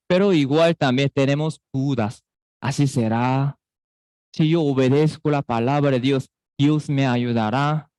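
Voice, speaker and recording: A man's voice: fairly high pitch, darkish tone, dry recording, studio quality. A man with a Costa Rican accent preaching a sermon, asking his congregation questions and acting out voices. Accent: Costa Rican Spanish. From Costa Rica. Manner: acts out quoted voices, sweet and scolding. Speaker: pastor.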